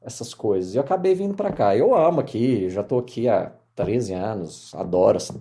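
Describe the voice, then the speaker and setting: Homem mineiro animado, voz escura. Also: male voice, lowish voice, normal speed. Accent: Mineiro Portuguese. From Minas Gerais, Brazil. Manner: animated storyteller, many fillers. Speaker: lawyer, podcast guest. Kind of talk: casual interview conversation.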